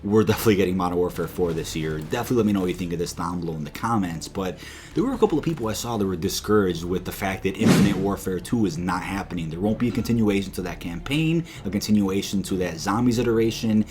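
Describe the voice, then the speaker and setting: A man's voice: low-pitched, lively intonation, quick pace, noisy background. A man giving informal, opinionated video commentary to viewers as a gaming news host, explaining things with emphasis. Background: background music.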